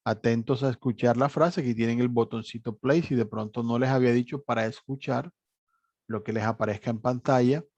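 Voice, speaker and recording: Patient teacher explaining exercises. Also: male voice, mid-range voice, steady tone, brisk, darkish tone, dry recording. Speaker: English teacher. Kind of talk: online class walkthrough. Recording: dry, slightly dull recording.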